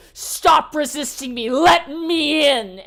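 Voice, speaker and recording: In a shrill, high-pitched put-on character voice, raised and projected, the speaker talks at a fairly slow pace. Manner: shrieking.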